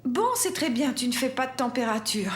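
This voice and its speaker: A woman voicing a caring, patient but firm mother in a French children's cartoon, expressive and clearly articulated. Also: fairly high pitch, normal speed, noisy background, lightly acted. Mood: caring, coaxing.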